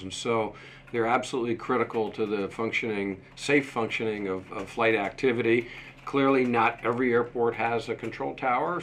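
A man in his sixties answering interview questions in a measured, halting way, pausing as he goes. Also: medium pitch, fairly bright tone, slight background noise. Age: 60s. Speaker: interview guest, museum deputy director and former airport manager. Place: small indoor office set. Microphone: desktop microphone shared at a table.

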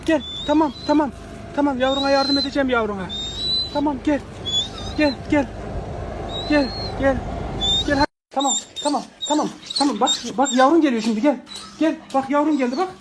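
Man in his forties, high voice, coaxing and soothing, repeats short words, noisy background. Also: a little fast, long pauses. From Turkey. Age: 40s. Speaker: animal rescuer. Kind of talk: unscripted phone video.

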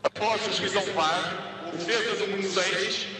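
A man's voice: sits high, steady tone, normal speed. A man making a referee's announcement over a distant, noisy stadium PA. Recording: echoing stadium PA, distant, loud noise.

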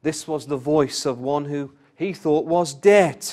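A man's voice: on the high side, unhurried, a little mellow. A man giving a Bible study talk, reading scripture aloud with rising emphasis and turning to the listeners with direct questions. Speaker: Bible class speaker.

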